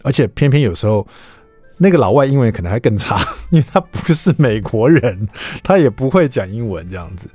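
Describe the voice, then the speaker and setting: A middle-aged radio host tells family stories in a relaxed, chatty manner. His medium-pitched voice is lively and animated, rising and falling freely. The close studio mic gives a dry sound, with faint music under it. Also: fairly quick, slightly rough, no echo. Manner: chatty storyteller who drops English words into his speech. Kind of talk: casual radio chat, telling anecdotes.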